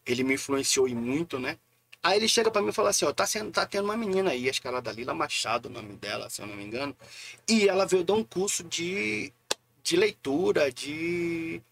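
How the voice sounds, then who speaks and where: Gravelly man telling stories. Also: a little high, brisk. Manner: lively anecdotes, acting out quoted voices. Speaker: guest poet. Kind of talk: casual storytelling in a live interview.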